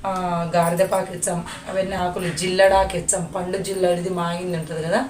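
Woman from India, quick chatty home vlogger, a little low-pitched, recorded off-mic in a noisy echoing room. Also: little pitch movement, a little mellow, distant mic. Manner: chatty, explains step by step. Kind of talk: casual vlog narration.

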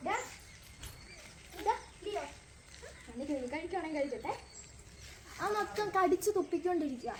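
A woman's voice: very high voice, lively intonation, moderate pace, pauses often, a little hiss or hum. A woman talking to her pet bird in a garden, coaxing it in baby talk and chatting about its habits for a casual vlog. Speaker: pet vlogger.

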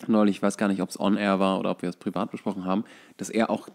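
A man's voice: deep voice, little pitch movement, rapid-fire, vocal fry, a little mellow. A man in his thirties co-hosting a podcast in casual sports chat, hesitant and thinking aloud as he goes. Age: 30s. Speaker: podcast co-host.

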